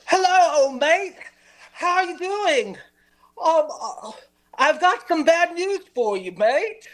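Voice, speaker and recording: A woman's voice: extremely high pitch, expressive, takes it slowly, pitched above the performer's own voice, heavily acted. A woman voicing a chirpy, apologetic Australian teacher in an improvised comedy scene, with a put-on Australian accent. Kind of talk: improvised comedy stage acting.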